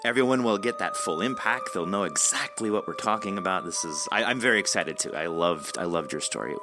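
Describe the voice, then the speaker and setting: A man with a somewhat low voice hosts a podcast interview. He talks casually and sounds appreciative and encouraging. Music plays clearly behind his words. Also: expressive, a little fast. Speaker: podcast host.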